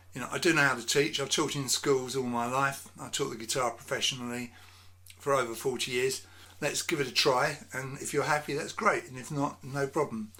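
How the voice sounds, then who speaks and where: At a fairly quick pace, a man speaks in an English accent at medium pitch. His tone is bright and sharp, with fairly even intonation. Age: 60s. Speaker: music teacher. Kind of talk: casual chat; tutorial.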